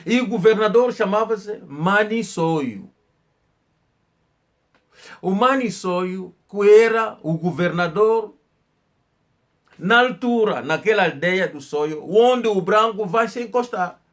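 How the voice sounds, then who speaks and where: Homem de fala lenta e enfática. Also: male voice, high-pitched, lively intonation. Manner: slow, emphatic storytelling with hesitations and repetitions. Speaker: channel host. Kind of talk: informal history talk.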